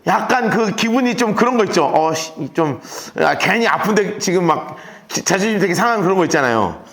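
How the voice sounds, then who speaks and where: A man teaching a Bible class, urging his listeners to mark their pages as he goes. His voice sits high and swings widely as he dramatizes each passage. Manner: animated, coaxing the class to take notes. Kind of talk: Bible lecture.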